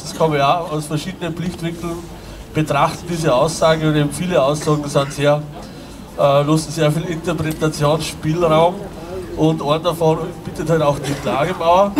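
A middle-aged man moderates an outdoor rally, announcing speakers into a handheld mic with hesitant pauses. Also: a little high. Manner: hesitant, fills with äh. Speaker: event moderator. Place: outdoor city square. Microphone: handheld mic, filmed from afar. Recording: distant with outdoor street noise.

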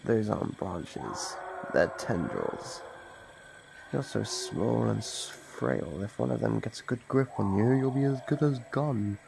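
A man's voice: lowish voice, lively intonation, a little slow, gravelly, background noise, heavily acted. A man voicing a gleefully predatory monster from under the bed in an ASMR horror roleplay, mockingly polite and menacing. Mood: gleeful, excited.

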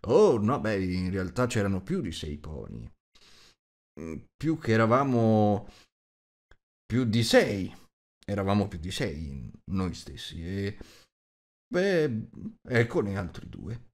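A man's voice: on the low side, big pitch swings, takes it slowly, long pauses, darkish tone, exaggerated voice. Man doing Gandalf, an old diplomatic wizard. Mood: wry. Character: old wise male wizard, patient storyteller.

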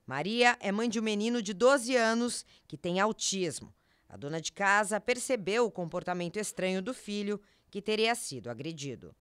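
A woman reporter reading a scripted TV news report in a measured, solemn tone. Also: medium pitch, animated, a bit bright, clean tone, dry recording, clean studio sound.

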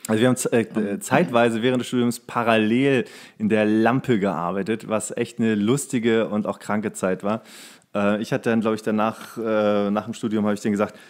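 A man's voice: on the low side, level tone, moderate pace. Young man chatting in rambling, joking style. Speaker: podcast co-host. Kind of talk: casual banter, storytelling.

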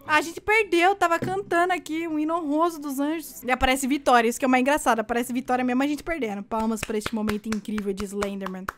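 A young Brazilian woman giving lively gameplay commentary as a video game streamer, exclaiming and laughing often. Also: high voice, fast, few pauses, slight background noise. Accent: Brazilian Portuguese. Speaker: gaming YouTuber.

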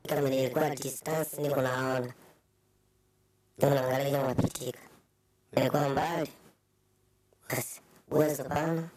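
Male witness, halting testimony, off-mic, crowd noise around. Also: on the high side, recorded from a distance. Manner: halting, searching for words.

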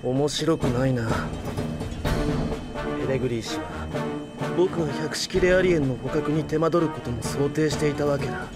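A man's voice: fairly high pitch, moderate pace, long pauses, natural voice. A man playing an arrogant, resentful young commander in a Japanese audio drama, haughty and biting. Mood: bitter, sardonic. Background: loud music.

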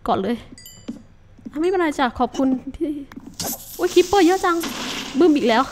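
A high-pitched woman gives casual running commentary as she plays a survival game. She chats to herself and breaks into sudden startled shouts. Faint hiss and clicking sit under her voice. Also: lively intonation, moderate pace. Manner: chatty, talks to herself, soft polite particles, sudden startled shouts. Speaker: Minecraft let's-play host.

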